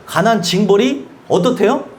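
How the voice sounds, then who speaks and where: A male pastor delivers a sermon in a church. His voice sits unusually high and swings widely in pitch. He keeps asking the congregation questions and laughs between points. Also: animated, normal speed. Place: church sanctuary.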